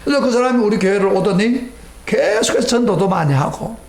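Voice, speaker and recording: Middle-aged male pastor, fairly high voice, emphatic storytelling sermon, reverberant sanctuary sound. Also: a little fast. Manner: emphatic storytelling, acting out his own prayers; sweeping pitch, rising near a shout then dropping low. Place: church sanctuary.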